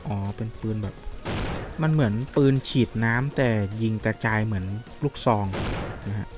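A man giving casual, chatty commentary while playing a mobile shooter game, reacting loudly to the action. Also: fairly low pitch, normal speed. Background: game music.

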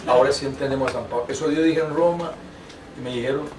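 An older man, a priest, teaching a lay audience in a small meeting room, telling stories with lively asides and restarts. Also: medium pitch, fast talker, recorded from a distance, a little hiss or hum. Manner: animated storytelling with frequent asides and restarts. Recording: echoey room, taken from afar.

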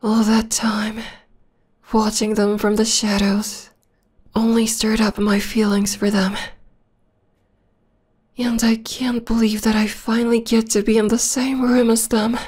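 A woman voicing a possessive, obsessed young vampire stalker in a breathy, whispery, intimate ASMR roleplay. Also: fairly high pitch, flat delivery, darkish tone. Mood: infatuated, hushed. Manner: intimate, slow, lingering delivery. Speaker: voice actor.

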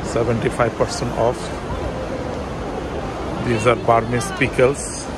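A man giving a walking tour of a shopping mall, pointing out shops in plain, halting sentences with fillers. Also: mid-range voice, little pitch movement. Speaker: travel vlogger. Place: busy shopping mall, indoors. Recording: loud crowd and mall noise behind.

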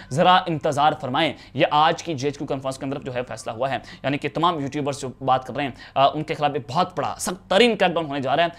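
A man's voice: high-pitched, a bit bright. A young man from Pakistan giving urgent political news commentary to a lapel mic, with many filler sounds. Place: home office with bookshelves.

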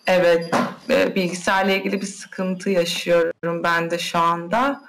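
A woman's voice: fairly low pitch, steady tone, moderate pace, creaky, fairly bright tone, a little hiss or hum. A young woman interviewer reading out audience questions over a video call. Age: young adult. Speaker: interviewer, editor. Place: indoor room at home, video call. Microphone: video call microphone.

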